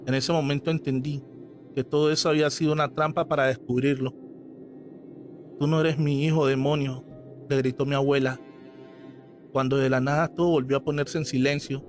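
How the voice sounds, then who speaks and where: A man reading a scripted horror story aloud as narrator, in a slow, measured storytelling manner. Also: medium pitch, flat delivery. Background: faint background music.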